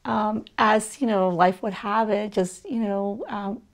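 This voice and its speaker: A woman's voice: medium pitch, fairly even intonation, takes it slowly. A middle-aged woman physician from Burma, talking thoughtfully in an interview, with many fillers and restarts. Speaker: physician guest. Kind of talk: conversational interview.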